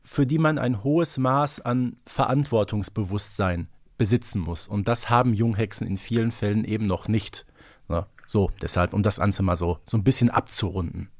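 A man co-hosts a podcast in a voice on the low side, speaking at normal speed in a dry, studio-quality recording. He explains things in casual, analytical chat, with emphatic turns and tag questions.

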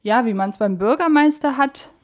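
A woman's voice: high voice, moderate pace. A woman with a German accent co-hosting a casual podcast, explaining details somewhat hesitantly. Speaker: podcast co-host. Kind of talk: casual fan-podcast discussion.

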